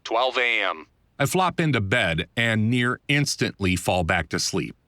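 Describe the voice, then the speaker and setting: Animated low-voiced man, wry audiobook narration. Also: unhurried, dry recording, studio quality. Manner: wry, self-deprecating, conversational. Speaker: audiobook narrator, author reading own book. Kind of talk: first-person scripted narration.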